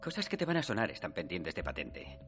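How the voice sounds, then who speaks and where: An actor playing a brash, sarcastic inventor, in a film dub. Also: male voice, low voice, huge pitch swings, fairly quick. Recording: film soundtrack with faint music.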